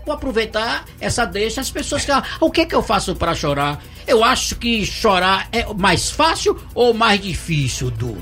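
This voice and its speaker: A man's voice: high voice, moderate pace, few pauses, soft background music. A man hosting a casual radio interview, chatty and joking as he asks questions. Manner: chatty, jokey, lively questioning.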